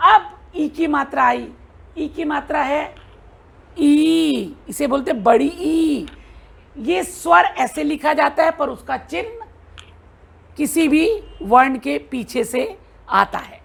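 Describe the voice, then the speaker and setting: A woman's voice: high-pitched, creaky, fairly bright tone. A woman teaching a Hindi lesson to children, patiently drawing out and repeating each sound as she demonstrates.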